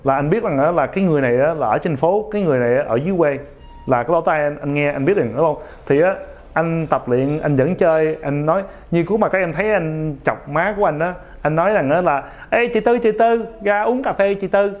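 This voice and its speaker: A man with a fairly high voice gives young viewers a casual motivational talk, halting, filler-heavy, imperfectly accented, and often tossing in "ok?". The recording's highs are cut off.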